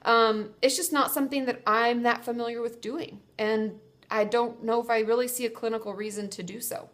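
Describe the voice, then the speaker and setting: A woman's voice: on the high side, fairly even intonation, normal speed, fairly bright tone. A young woman therapist with a congested, stuffy nose, giving chatty, reassuring advice to viewers and correcting herself as she goes. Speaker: therapist answering viewer questions. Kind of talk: casual advice vlog.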